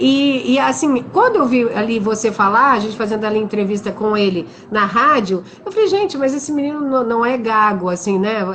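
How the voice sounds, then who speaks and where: Fairly high-pitched with lively intonation, a woman speaks at a moderate pace over noticeable background noise. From Paraná, Brazil. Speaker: interview show host. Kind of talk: interview.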